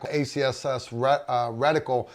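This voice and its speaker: A man's voice: mid-range voice, steady tone, moderate pace. A middle-aged man hosting a casual livestream, reading viewer comments and rambling with frequent restarts. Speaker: livestream host.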